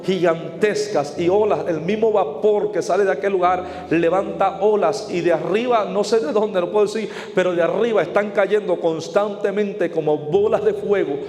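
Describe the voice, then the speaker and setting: High-voiced preaching evangelist man. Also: moderate pace, few pauses, a little mellow. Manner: emphatic, keeps addressing listeners as brothers. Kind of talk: testimony sermon. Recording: echoey hall with faint music.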